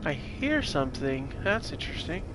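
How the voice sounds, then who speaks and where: A man's voice: on the high side, big pitch swings, moderate pace, background noise. Congested, nasal man muttering through gameplay. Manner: thinking aloud, muttering and trailing off. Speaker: let's play gamer. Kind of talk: casual gameplay commentary.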